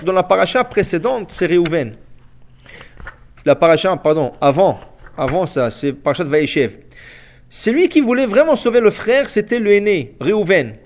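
A man teaching a Torah class in a high voice, animated as he tells the story. He asks questions and answers them himself, often stopping to restart a phrase. The recording sounds dull and lo-fi. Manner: hesitant restarts.

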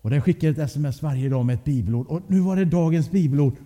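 A man telling a family story to listeners in a lively, animated way. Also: fairly high pitch. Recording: long hall reverb.

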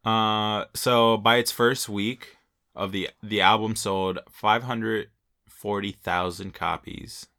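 Deep gravelly young man, laid-back. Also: steady tone, slow pace, sharp tone. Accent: Mexican. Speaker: podcast co-host. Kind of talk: casual chat.

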